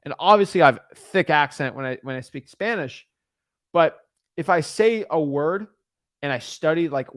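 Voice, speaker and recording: A man's voice: on the high side, fairly bright tone, dry recording, studio quality. A young man giving rambling, repetitive real estate advice, full of fillers and restarts. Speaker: real estate wholesaling coach. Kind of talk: casual talking-head advice.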